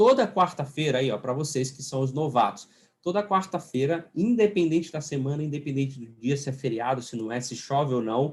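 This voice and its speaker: A somewhat breathy man's voice, fairly high in pitch, with lively intonation and an animated tone. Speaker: online course instructor for missionaries. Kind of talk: live online class. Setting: live stream. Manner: fast.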